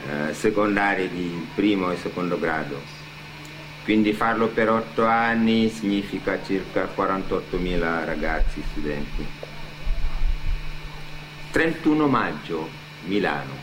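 Middle aged guy from senegal, low voice, telling his story radio theatre style in short phrases, big humming noise on it. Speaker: actor and cultural mediator. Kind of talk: first-person testimony told on stage in radio theatre. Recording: loud mains hum and noise.

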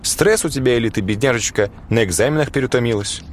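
A man's voice: medium pitch, fast talker, a little hiss or hum, close to an everyday voice. A man voicing a blunt, foul-mouthed middle-aged male teacher who lectures and swears. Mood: gruff. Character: gruff crude male schoolteacher, middle-aged.

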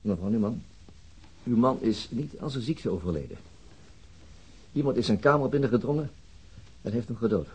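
Husky, mellow police chief inspector. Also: male voice, mid-range voice, lively intonation, moderate pace, pauses often, low-quality recording. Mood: grave, careful. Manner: hesitant, polite. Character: calm, tactful male police chief inspector questioning gently. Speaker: actor in radio crime drama. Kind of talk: naturalistic radio drama acting.

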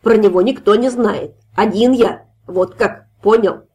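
A woman's voice: medium pitch, a little slow, warm tone, slightly rough. A woman voicing a drunken, boastful, hairy male guard in an audiobook fairy tale, with slurred, taunting speech. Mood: loud swaggering.

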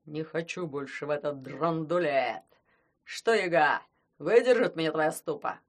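A man's voice: on the high side, a little slow. A man voicing a greedy, cowardly immortal sorcerer who grumbles and threatens. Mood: scheming. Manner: grumbling, menacing.

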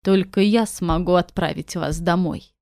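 A woman voicing a scheming, limbless male sorcerer trapped in a cellar, speaking slowly and wheedling, then hissing with spite in an audiobook. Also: lowish voice, steady tone, a little mellow, no echo, clean studio sound.

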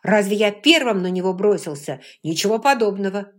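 Woman doing a snarling, hoarse young man. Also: low voice, measured pace, darkish tone. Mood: angry.

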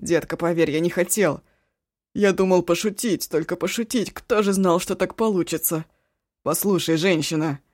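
A sly, clownish young man, as a woman puts him on in a storybook reading, coaxing one moment and booming the next. He pushes his lines out loud and theatrical, in a dry, close voice with no room around it. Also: moderate pace, no echo, close to an everyday voice. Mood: wheedling.

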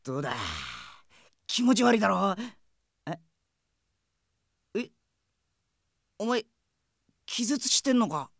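A woman's voice: medium pitch, very animated, slow, long pauses, no echo, studio quality, exaggerated voice. A woman playing a brash, friendly teenage boy in an anime game audio drama, talking in casual, cheeky slang like a teasing best buddy. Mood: grumbling, teasing.

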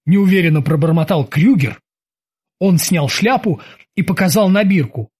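An expressive audiobook narrator reading a chapter aloud. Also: mid-range voice, moderate pace, husky.

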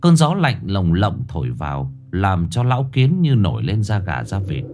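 Expressive male horror storyteller. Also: low voice, moderate pace, background noise. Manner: expressive, suspenseful. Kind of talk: dramatic horror story narration.

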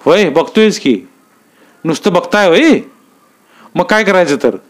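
A man's voice: high-pitched, lively intonation, measured pace, voice pushed up. A man voicing anxious rural villagers with rustic, worried speech.

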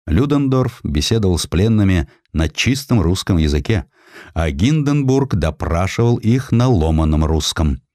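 A man reading a historical narrative as an audiobook narrator, in a measured, deliberate and dramatic way with weighty pauses. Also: deep voice, very animated, mellow, no room sound, clean studio sound.

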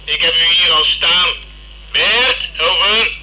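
A grumbling, sarcastic tradesman speaks over a noisy two-way radio. His delivery is slow and blunt, in a fairly high male voice. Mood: grudging, grumbling. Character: grumpy, sarcastic, coarse-tongued radio repair shop man. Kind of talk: radio play acting.

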